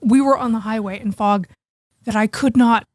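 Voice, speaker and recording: A woman co-hosting a podcast, chatting and telling personal stories in an informal, expressive way. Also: a little high, moderate pace, no room sound, studio quality. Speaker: podcast co-host. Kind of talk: casual chat, personal storytelling.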